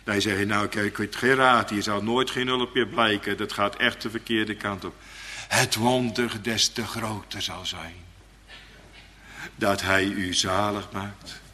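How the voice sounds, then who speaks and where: Impassioned preacher in a reverberant hall. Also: male voice, steady tone, a little slow, a little hiss or hum. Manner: swings between hushed low passages and loud impassioned high pleas. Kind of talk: sermon.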